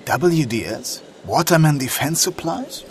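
Actor as high-pitched, wry, commanding detective. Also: male voice, lively intonation, unhurried, a little hiss or hum. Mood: cool, wry. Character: cool, wry, commanding male police detective. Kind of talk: German crime radio play acting.

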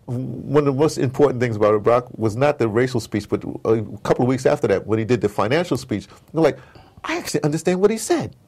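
This American man talks fast with lively intonation in a mid-range, husky, slightly mellow voice. As an audio drama producer guesting on a casual interview, he rambles through opinionated stories, digressing often and playing out conversations.

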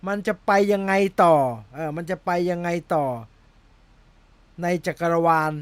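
A man's voice: sits high, steady tone, measured pace, clean tone, dry recording. A young man hosting a casual film-news chat, rambling and laughing at himself as he fumbles over a name. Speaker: movie news host.

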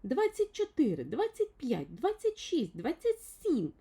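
Woman voicing an excitable little storybook man, high-pitched. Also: measured pace, exaggerated voice. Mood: counting intently. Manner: loud, exclamatory, self-important. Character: excitable little fairy-tale man, pompous and blunt.

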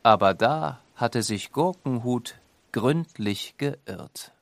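Gravelly male storybook narrator. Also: medium pitch, expressive, takes it slowly. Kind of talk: scripted storybook narration for children's audio drama.

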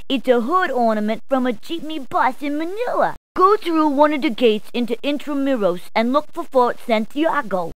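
A bright, high-voiced policewoman from a retro video game, firing off cheery puns and helpful hints. Recorded dry and close, with no room sound at all. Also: no echo. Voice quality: punny, chirpy quips. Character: cheerful female city police officer. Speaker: in-game helper character.

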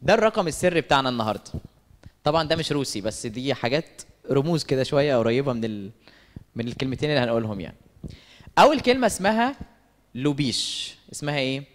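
A man with an Egyptian accent giving a lively church talk, asking the audience questions and answering them himself. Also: mid-range voice, quick pace, pauses often. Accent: Egyptian Arabic. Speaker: speaker at a church service meeting. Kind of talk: lively sermon-style talk with stories. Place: church hall. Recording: long reverb of a church hall.

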